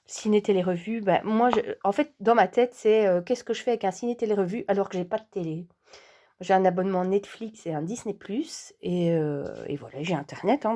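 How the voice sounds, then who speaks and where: A woman's voice: fairly low pitch, dark tone. A woman from Belgium, chatting casually to camera as a vlogger, hesitant and full of fillers, sometimes dropping to a whisper. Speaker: vlogger and sophrology coach.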